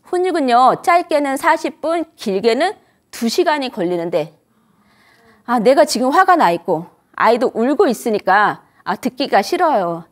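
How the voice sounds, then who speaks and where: A middle-aged woman lectures grandparents on raising children. She poses questions to the room and answers them herself. Her fairly high voice rises and falls a great deal. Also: big pitch swings, normal speed. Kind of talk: instructive lecture to an audience.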